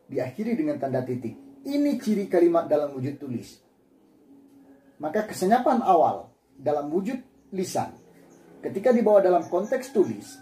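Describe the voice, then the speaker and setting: A man's voice: a little high, warm tone, echoey room, a little hiss or hum. A man teaching a language lesson, explaining patiently and acting out example intonations. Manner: demonstrates intonation by repeating words. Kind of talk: classroom lecture.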